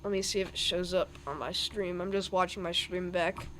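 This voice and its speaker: A man's voice: sits high, fairly even intonation, moderate pace, fairly bright tone, a little hiss or hum. A young man giving live weather commentary on a stream, thinking aloud over the radar with plenty of ums and restarts.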